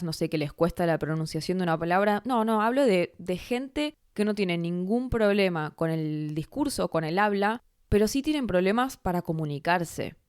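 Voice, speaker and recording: Rioplatense woman teacher, low smooth voice, dry close recording, thoughtful podcast talk. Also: dry recording. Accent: Rioplatense Spanish. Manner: thoughtful, conversational, with frequent "no sé". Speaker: Spanish teacher and podcast host. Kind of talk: solo educational podcast monologue.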